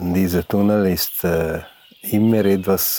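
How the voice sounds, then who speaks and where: In an Italian accent, a man with a very deep, low pitch speaks at a very slow pace in a monotone, flat intonation. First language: Italian (speaking German). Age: 70s. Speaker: retired tunnel engineer. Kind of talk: interview testimony. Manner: halting.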